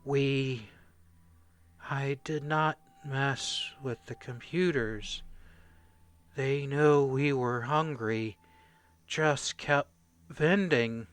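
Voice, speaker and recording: A male actor as a drugged, shaken soldier in a radio drama. He speaks extremely slowly in broken fragments, with a smooth, clean tone, haunted by what he survived. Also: medium pitch, a bit bright, no echo. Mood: weary, haunted. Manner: halting, fragmented, dazed. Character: traumatised, drugged soldier, lone survivor recounting horror. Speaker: corporal under interrogation. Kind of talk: radio play acting.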